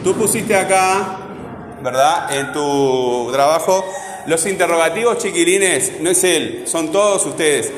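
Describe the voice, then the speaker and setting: Teacher in an echoey classroom. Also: male voice, fairly high pitch, crowd noise. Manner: patient, drills aloud, repeats phrases slowly. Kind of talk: classroom lesson. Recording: echoey classroom with long reverb.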